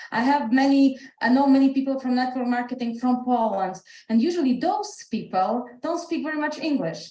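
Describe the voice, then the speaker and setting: A woman with a high pitch talks at a moderate pace amid audible room echo. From Soviet Union. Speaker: network marketing entrepreneur. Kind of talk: testimony. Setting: video call. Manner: animated.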